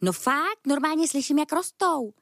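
A woman doing a high, bouncy storybook rabbit. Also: no echo, clean studio sound. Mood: eager. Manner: excited, insistent. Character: eager lively young male rabbit. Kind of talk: storybook reading.

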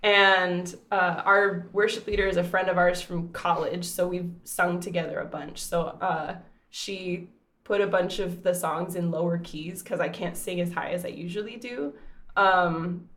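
A woman talks casually about singing, piling up fillers as she explains. Her voice sits a little low and still carries traces of a recent cold. The sound is roomy and echoey. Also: a bit bright. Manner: chatty, explains with many fillers and restarts. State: voice recovering from a cold. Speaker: singer. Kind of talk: casual chat.

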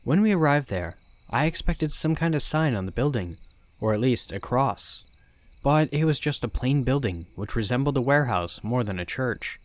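A man narrating a first-person horror story as the podcast's narrator, in a calm, even telling. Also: mid-range voice, normal speed.

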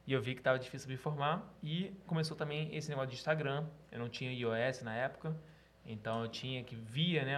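A man chatting casually as a podcast guest, telling stories in an animated, joking way. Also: medium pitch. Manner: fast, animated storytelling with laughs.

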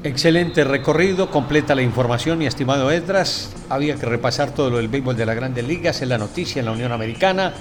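Man, sports radio presenter, formal handoff patter, music playing clearly underneath. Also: mid-range voice, fast talker, hardly any pauses. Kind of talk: broadcast sports segment link.

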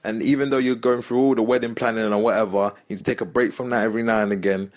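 Mid-pitched London roadman-style podcast host, male. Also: steady tone, racing. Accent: London, urban street. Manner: slangy, roadman-style speech with frequent tag questions. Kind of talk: casual chat, advice and debate.

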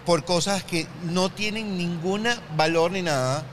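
A man's voice: high-pitched, measured pace, a bit bright, slight background noise. A young man with a Venezuelan accent, a podcast guest speaking candidly with a joking edge. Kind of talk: casual interview chat.

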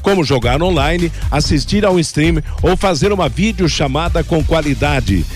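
A man's voice: fairly high pitch, expressive, moderate pace. A man with a Brazilian accent hosting a sports radio programme in a scripted announcer's style. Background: faint music.

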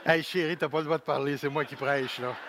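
A man in his sixties with a Québécois accent, preaching a sermon as pastor. He speaks deliberately, repeats key phrases and jokes about himself. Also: a little high, noisy background. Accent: Québécois French. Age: 60s. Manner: slow, deliberate preaching with repeated phrases and self-mocking humor.

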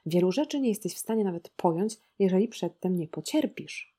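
A woman's voice: mid-range voice, expressive, a little fast, dark tone, husky. A woman reading the lines of a stern, judgmental older male professor in a book discussion. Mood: judging.

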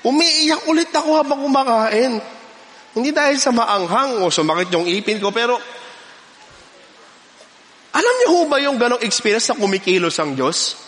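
A high-voiced man preaches a sermon, telling a story from his own life in an animated way. He laughs often as he speaks. His voice rings out through a large hall that carries a long reverb. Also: normal speed, pauses often.

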